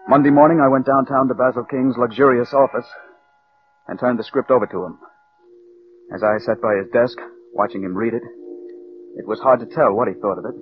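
A man's voice: medium pitch, lightly acted. An actor playing an earnest young male radio writer who sometimes stammers, narrating and talking in 1940s radio acting style. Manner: earnest, slightly hesitant, stammers. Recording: muffled old radio broadcast.

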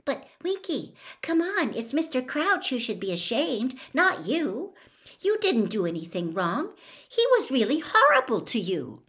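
A woman's voice: high voice, big pitch swings, unhurried, fairly bright tone, voice pushed up, heavily acted. A woman voicing an earnest, kindly but firm young girl in a storybook, reasoning as she speaks. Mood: dismayed, reassuring.

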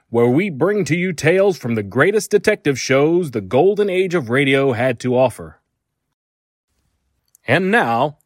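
A man presents a scripted podcast introduction as host. His pitch is a little high and very animated. The recording is dry and close. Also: no room sound. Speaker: host introducing an old-time radio program.

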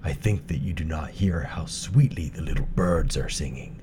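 A man reading a storybook aloud, voicing a wicked, crafty male wolf in a low, hushed murmur. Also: normal speed, a little hiss or hum. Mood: coaxing. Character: sly hungry male wolf, wicked, scheming.

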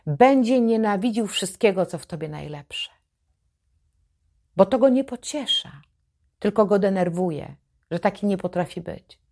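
A woman hosting a psychology channel, giving an advice monologue to her viewers in a slow, emphatic, deliberate way. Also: mid-range voice, lively intonation, a little mellow.

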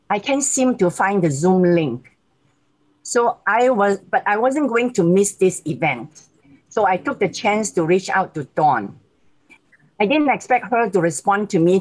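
A woman in her sixties speaks with a Malaysian accent over a video call. Her voice sits a little low, and her talk is warm and thankful, often broken by soft laughter. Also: poor audio. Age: 60s. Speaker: guest speaker.

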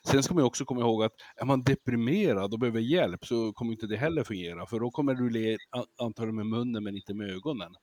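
A man who gives lectures, talking as a podcast guest in a casual, lively way, acting out examples and laughing easily. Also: medium pitch, few pauses, no echo. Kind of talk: casual interview talk.

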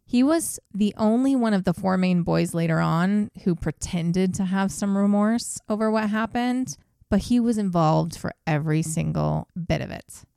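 A woman's voice: mid-range voice, moderate pace, vocal fry, hardly any pauses, dark tone, smooth, no echo, studio quality. A woman co-hosting a podcast, telling a true crime case in a blunt, casual way with swearing. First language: English. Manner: blunt, swears, laughs at grim moments.

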